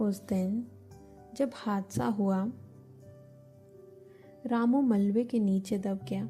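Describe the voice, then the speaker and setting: Over music in the background, a woman speaks in a soothing tone with medium pitch and lively intonation. She leaves long, frequent pauses. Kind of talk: sleep story. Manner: soothing, slow.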